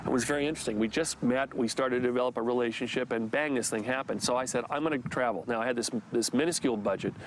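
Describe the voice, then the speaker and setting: A filmmaker recounting a shoot in a relaxed, anecdotal way. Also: male voice, mid-range voice, fast talker, hardly any pauses, a little hiss or hum, poor audio. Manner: conversational, anecdotal. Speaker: documentary filmmaker. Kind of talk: interview recollection.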